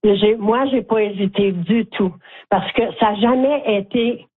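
An older woman with a Franco-Ontarian French accent, talking as a guest in a phone interview, animated and chatty, often checking in with "ok?". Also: medium pitch, a little slow, husky. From Northern Ontario, Canada. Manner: warm, animated storytelling with frequent "ok?". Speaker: guest, community volunteer. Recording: tinny phone line.

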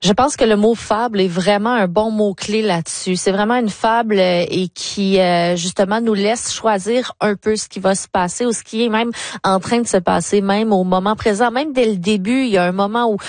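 A woman's voice: mid-range voice, normal speed, no room sound. Woman with an italian accent doing a radio arts segment, dry close sound, talks it through thoughtfully. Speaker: arts reporter.

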